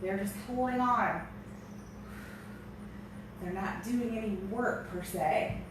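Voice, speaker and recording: A woman's voice: medium pitch, takes it slowly. A woman coaching a workout as an aerobics instructor, with peppy encouragement and audible exertion in her breathing. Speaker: aerobics and strength instructor leading a home workout. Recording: echoey room, distant mic, noisy.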